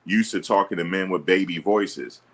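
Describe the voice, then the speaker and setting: A man with a very low, deep voice talks straight into his streaming mic. He answers his chat bluntly and sounds sure of himself, assertive and ready to push back. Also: moderate pace. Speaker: livestream host. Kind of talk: livestream commentary answering chat. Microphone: streaming setup.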